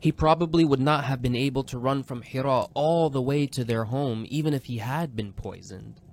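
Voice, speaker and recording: A man's voice: mid-range voice, normal speed, darkish tone. A man narrating a scripted story with intense, suspenseful delivery. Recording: background music under the voice.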